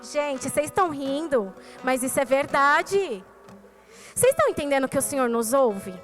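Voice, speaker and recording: A woman's voice: high-pitched, animated, moderate pace, soft background music. A woman with a Brazilian Portuguese accent giving a testimony in a church sermon, telling her story and speaking straight to the congregation. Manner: storytelling, addresses the congregation directly. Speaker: preacher. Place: church service.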